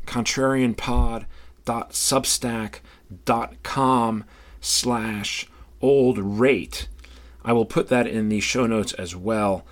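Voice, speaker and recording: A man with a medium-pitched voice hosts a podcast. He talks to listeners and guests in an interview-show style. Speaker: podcast host.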